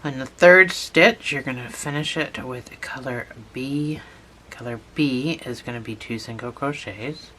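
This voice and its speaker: Bright, patient tutorial voice with a cold. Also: medium pitch, unhurried, a little hiss or hum. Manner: patient, repetitive instructions. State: has a cold, losing voice. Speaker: instructor. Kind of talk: step-by-step tutorial narration.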